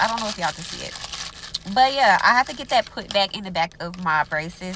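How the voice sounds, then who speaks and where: With vocal fry and a bright, sharp tone, a woman talks at a moderate pace using ordinary pitch variation. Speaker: vlogger. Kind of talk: casual vlog.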